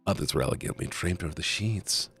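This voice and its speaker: Deep, gravelly man streaming a story game. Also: fast talker, faint music behind. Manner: animated, playful, shouting at times. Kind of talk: reading a visual novel aloud to chat.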